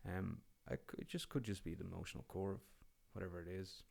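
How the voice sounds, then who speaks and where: Deep, gravelly Irish man chatting. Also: fast. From Ireland. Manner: relaxed and rambling, with frequent ums and restarts, casual swearing. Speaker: guest. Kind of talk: casual conversation.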